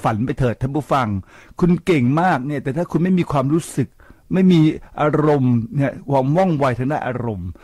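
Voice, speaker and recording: An older man talks to his radio listeners in a lively, preachy way, firing rhetorical questions at them. His voice is dark and mellow, and the studio sound is close and dry. He drops English words into his talk. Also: medium pitch, brisk, husky, dry recording. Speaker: radio host. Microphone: studio microphone.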